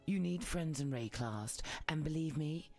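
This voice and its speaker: An actor playing a sly, scheming tribal leader in a video game, speaking in an insinuating, deliberate way. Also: male voice, fairly high pitch, animated, faint music behind. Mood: coaxing, scheming. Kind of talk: video game character monologue.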